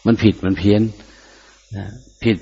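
An older man, a monk who teaches by chanting Pali lines and explaining them in plain speech. His voice is dark and mellow, caught on a muffled, lo-fi recording. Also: unhurried.

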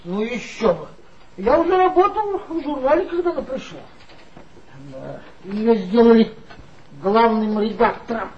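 A tipsy, sly former magazine man confides mocking gossip with a lively, wandering pitch. It is a 1960s stage radio play, heard through a dull, muffled old recording with faint hiss. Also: measured pace, exaggerated voice. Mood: gossipy.

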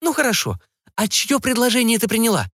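A man voicing a fussy, excitable middle-aged mother who fires off anxious questions. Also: extremely high pitch, fairly quick, no room sound, clean studio sound, voice pushed up, full character voice. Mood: prying. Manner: fretful, breathless questioning.

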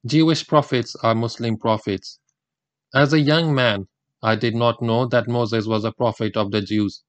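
Older Gujarati-speaking man giving a measured lecture. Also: mid-range voice, steady tone, no room sound. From India. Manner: measured, deliberate delivery with Quranic recitation. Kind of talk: formal religious lecture.

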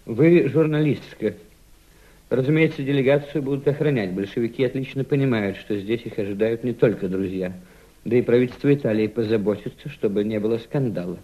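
An actor in a Russian radio drama playing an embittered, fervent White émigré conspirator, theatrical, insistent and persuasive. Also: male voice, mid-range voice, a little fast, lightly acted. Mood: insistent, conspiratorial. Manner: theatrical, insistent, emphatic repetition. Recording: dull, lo-fi old radio play recording.

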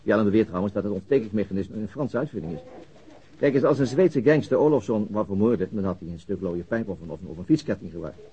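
A man playing a sober, methodical police detective in a radio drama, reasoning in a deliberate, matter-of-fact way. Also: fairly low pitch, animated, warm tone, natural voice. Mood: earnest, reasoning. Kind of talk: Dutch radio drama acting. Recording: dull, lo-fi radio drama recording.

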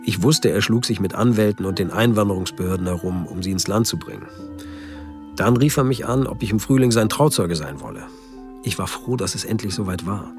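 An actor as low-voiced friend narrating over music. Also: male voice, fairly quick, natural voice. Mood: sober, concerned. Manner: reflective, sober storytelling. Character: male friend soberly recounting a lonely man's story. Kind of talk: radio drama narration.

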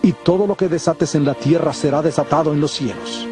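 Male actor, authoritative holy teacher, solemn declamation, slightly high male pitch, audio Bible drama, clear musical backing. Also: brisk, darkish tone, soft background music, lightly acted.

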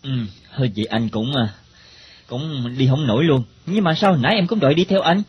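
A man's voice: on the high side, brisk, slightly rough, no room sound. Guy voicing a shy sweet husband, hesitant, lo-fi audio. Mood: tender. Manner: hesitant, gentle. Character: devoted, bashful young husband. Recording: dull lo-fi recording.

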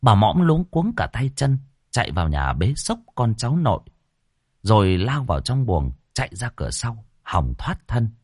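A man telling a dramatic story with vivid, expressive narration. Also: lowish voice, normal speed, husky, no echo, studio quality.

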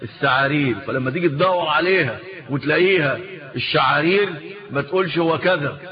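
A man with an Egyptian Arabic accent giving a religious lesson, asking the listener rhetorical questions and drawing out quoted words slowly. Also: fairly high pitch, muffled recording. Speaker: Islamic scholar teaching.

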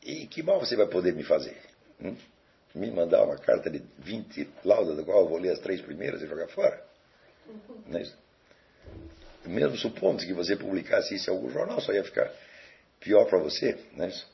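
A man's voice: low-pitched, big pitch swings, fairly quick, creaky, dull audio. A man with a Brazilian Portuguese accent giving a recorded lecture, talking in a digressive, conversational way and asking rhetorical questions.

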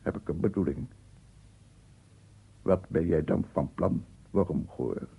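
Low, gravelly, brooding writer. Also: male voice, heavily acted. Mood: anxious, guilty. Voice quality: husky, gravelly. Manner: muttering to himself in broken, halting phrases. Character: brooding, weary male writer tormented by guilt. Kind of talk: radio drama monologue. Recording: muffled, phone-like archive radio recording.

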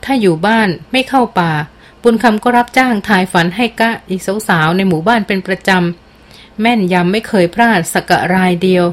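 A woman's voice: medium pitch, normal speed, close to an everyday voice. A woman voicing a cheeky old male jungle tracker who talks in an easygoing rural drawl. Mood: teasing. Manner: easygoing, teasing.

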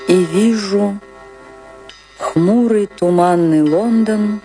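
A woman's voice: mid-range voice, warm tone, soft background music. An actress playing a dreamy, proud, passionate woman dancer recalling her life in a poetic, theatrical radio monologue. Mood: reminiscing. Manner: dramatic, poetic, deliberate delivery with long pauses.

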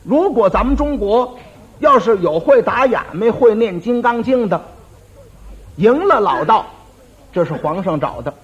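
A man's voice: high voice, lively intonation, a little slow, breathy edge. A man performing traditional crosstalk. He tells the story with a stammering, teasing back-and-forth. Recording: dull lo-fi old recording.

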